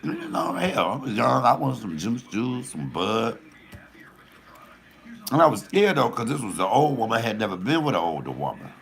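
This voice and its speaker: Male comic storyteller, deep and gravelly, lively pitch, profane and loose. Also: moderate pace. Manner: profane, animated, laughs at own jokes. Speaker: comedian host. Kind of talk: casual storytelling.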